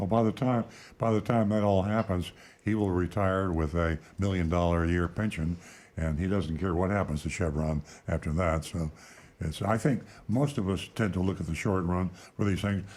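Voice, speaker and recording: A man with a very deep, low pitch speaks at a moderate pace, with very even loudness and ordinary pitch variation. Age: 70s. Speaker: car dealer and radio talk show host. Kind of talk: call-in talk show. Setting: studio. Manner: halting, frequent fillers.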